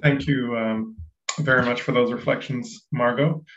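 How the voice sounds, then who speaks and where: A man from Ethiopia whose first language is Amharic, moderating an online panel in a measured way with many fillers. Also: medium pitch, fairly even intonation, a bit bright. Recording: dull, echoey room sound.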